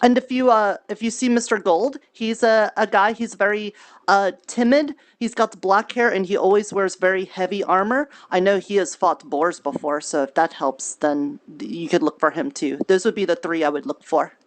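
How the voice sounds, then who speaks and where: Woman doing a sweet naive preacher girl for vr roleplay, kinda halting and folksy, earnest and cheery. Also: mid-range voice, natural voice. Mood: helpful, earnest. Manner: childlike, folksy grammar and halting, hesitant phrasing. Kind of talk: improvised virtual reality roleplay.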